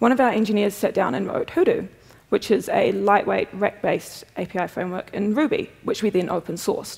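Speaking with a New Zealand accent, the woman moves along at a fairly quick pace. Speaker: software developer. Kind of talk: conference talk. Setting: stage with audience. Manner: fast talker. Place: hall. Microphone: podium.

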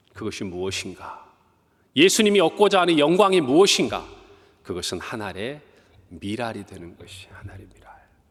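Long, frequent pauses break up speech with very wide pitch swings and big swings in loudness, all with audible room echo. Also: man, medium pitch for a man, moderate pace. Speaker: pastor. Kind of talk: sermon.

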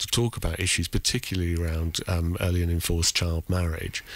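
A man with a British accent speaks at a fairly quick pace in a very deep, low, somewhat breathy voice. The sound is dry with no echo. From UK. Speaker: diplomat; interview guest. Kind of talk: interview. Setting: radio studio. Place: studio.

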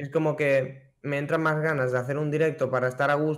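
A man speaks in a monotone, flat intonation at a moderate pace. The background is quiet. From Spain. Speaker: professional esports player and YouTuber; YouTuber. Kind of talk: interview. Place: home room. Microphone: video call.

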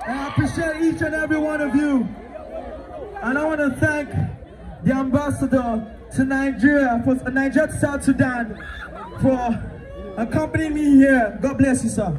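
Over crowd noise in the background, a man talks at a moderate pace with an extremely high pitch, ordinary pitch variation, and long, frequent pauses. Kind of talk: stage talk to audience. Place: stage.

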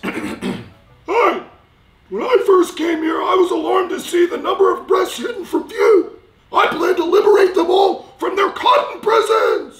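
At a moderate pace, a man uses a put-on character voice pitched extremely high. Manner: grumpy, deadpan.

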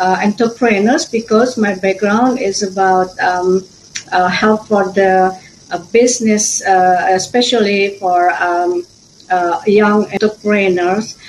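With an Indonesian accent, a woman speaks very slowly at a medium pitch, her intonation fairly even and her loudness very even, over light background noise. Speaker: business consultant; panelist. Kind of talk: panel discussion. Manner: halting. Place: home room. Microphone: video call.

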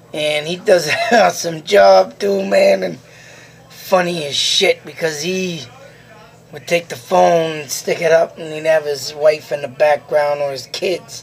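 A man's fairly high voice at a fairly slow pace, with ordinary pitch variation, big swings in loudness and noticeable background noise. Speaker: YouTuber. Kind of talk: casual vlog monologue. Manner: animated, laughs often; rambling, halting.

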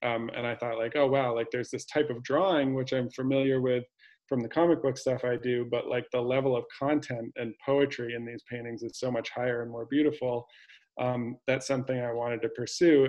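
Monotone, flat delivery at a fairly quick pace against a quiet background. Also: man. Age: 40s. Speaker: landscape painter. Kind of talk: presentation. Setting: video call. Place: home room. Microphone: video call.

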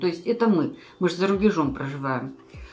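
A woman's warm tone at a fairly quick pace. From Latvia. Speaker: YouTuber. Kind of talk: vlog. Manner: warm and chatty. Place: home room. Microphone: webcam.

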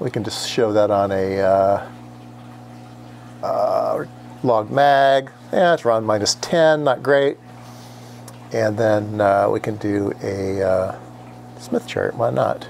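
Against light background noise, a man speaks at a very slow pace with long, frequent pauses. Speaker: electronics hobbyist host. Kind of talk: tutorial. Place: workshop.

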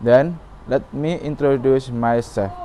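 A man with an Indonesian accent speaks at a very slow pace with fairly even intonation. Light background noise can be heard. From East Java, Indonesia. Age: 20s. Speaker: student. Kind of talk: scripted class speech read aloud. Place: street. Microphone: phone near.

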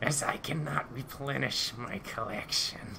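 A put-on character voice at a low-to-middle pitch, with clear background noise. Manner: sleazy, creepy.

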